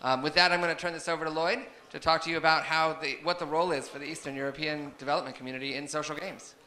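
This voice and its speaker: A man's voice: a little high, steady tone, very fast, pushed and bright, echoey room. A middle-aged man introducing a conference speaker in a rambling, stumbling way. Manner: rambling, stumbling over words. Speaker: session moderator introducing the speaker. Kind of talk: casual spoken introduction.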